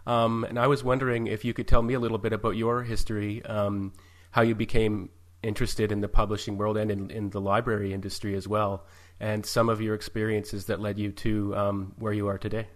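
Low-voiced male podcast host. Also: level tone. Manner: measured, polite, some fillers. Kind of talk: podcast interview.

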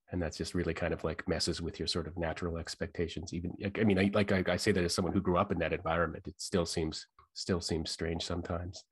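A man's voice: low-pitched, husky. A man from Saskatchewan, hosting a podcast interview in a rambling, casual way, filling with "you know" and "um". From Saskatchewan, Canada. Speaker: podcast host.

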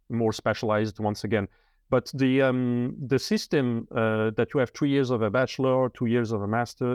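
A man's voice: mid-range voice, dry recording. A man, a guest in an interview, talking casually and thoughtfully with frequent fillers and restarts.

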